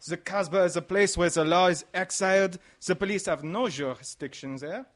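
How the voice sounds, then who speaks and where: An actor playing a courteous, grave Foreign Legion colonel in a mystery drama, formal and deliberate, with a French accent. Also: male voice, sits high, lightly acted. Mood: grave, warning. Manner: deliberate, formal, halting on some words. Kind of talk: radio-style mystery drama acting.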